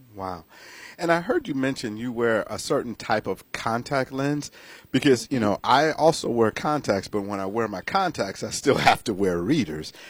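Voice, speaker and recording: A man with a normal speaking voice and medium pitch speaks at a moderate pace with lively intonation, recorded very cleanly against a silent background. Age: 50s. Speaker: podcast host. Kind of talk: interview; prayer.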